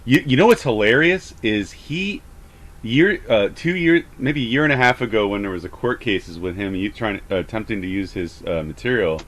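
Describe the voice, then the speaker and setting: A man's voice: on the low side, lively intonation, moderate pace, a bit bright. A man chatting casually, rambling with frequent stammers and false starts. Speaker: host of a call debrief. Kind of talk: casual chat.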